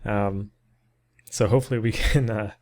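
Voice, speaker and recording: Gravelly man teaching a software tutorial. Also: mid-range voice, moderate pace. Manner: relaxed, thinking aloud, many ums and uhs. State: slightly losing his voice. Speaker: 3D modeling tutor. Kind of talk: casual screen-recorded software tutorial.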